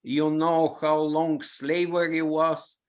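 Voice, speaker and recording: An older man with a Bulgarian accent making a halting, emphatic comment from the audience at a public talk. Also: on the high side, little pitch movement. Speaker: audience member, peace activist.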